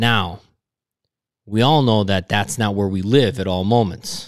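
In a very clean recording with a silent background, a man talks at a fairly low pitch with ordinary pitch variation. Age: 30s. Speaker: athletic trainer podcast co-host. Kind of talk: casual chat. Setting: recording in a fitness gym.

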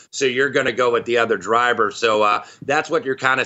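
At a fairly quick pace, a man talks at a medium pitch in an unremarkable speaking voice. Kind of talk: scripted radio-ad promo tag, crisp sponsor-style announcer read. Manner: brisk, polished, upbeat announcer patter.

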